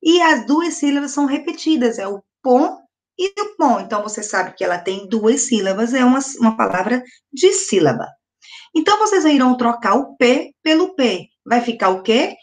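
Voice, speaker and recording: Brazilian woman, middle-aged, first-grade teacher on video, slightly high pitch, patient and slow on syllables. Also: expressive. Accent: Brazilian Portuguese. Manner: slow, sounding out words syllable by syllable; patient, asks children questions and answers them. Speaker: primary school teacher.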